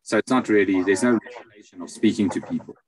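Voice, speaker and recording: A man explaining his practice as an interview guest on a video call, often pausing mid-phrase. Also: fairly low pitch. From South Africa. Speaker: interview guest, astrologer and palm reader.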